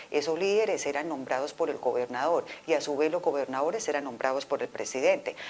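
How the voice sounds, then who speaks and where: A woman talks at a fairly quick pace. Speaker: university lecturer. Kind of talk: TV interview.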